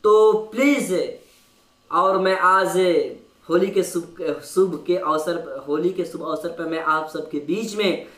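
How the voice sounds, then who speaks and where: A man from India talks to his viewers in a humble, pleading tone. His voice sits fairly high. The sound is roomy and picked up from a little way off the mic. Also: takes it slowly, fairly bright tone, far from the mic. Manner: humble, pleading, asks repeatedly. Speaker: keyboard player and channel host. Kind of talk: casual talk to camera.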